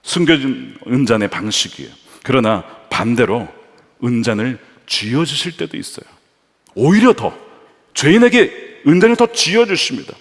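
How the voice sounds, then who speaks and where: A man's voice: sing-song, moderate pace. A man preaching a sermon as a pastor, dramatic, acting out the voices of the people in his story. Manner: dramatic, acts out quoted voices with big pitch swings. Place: large church sanctuary. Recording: reverberant church hall.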